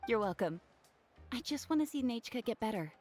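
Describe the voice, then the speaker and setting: A woman's voice: fairly high pitch, animated, a little fast, a little mellow, faint music behind. A woman voicing a friendly, chatty young female jeweler in a video game, slightly flustered. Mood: kindly.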